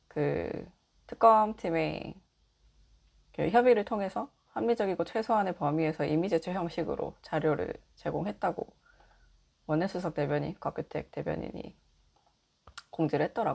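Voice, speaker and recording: A woman speaks at a moderate pace with long, frequent pauses. The recording is very clean, with a silent background. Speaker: independent media commentator. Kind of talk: political commentary.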